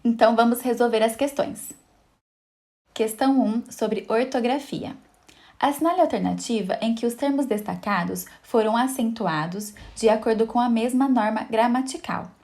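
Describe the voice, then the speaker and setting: A woman's voice: a little high, normal speed, a little mellow. A woman with a Brazilian Portuguese accent giving a recorded exam-prep lesson, explaining step by step in a friendly way and often checking in with her viewers.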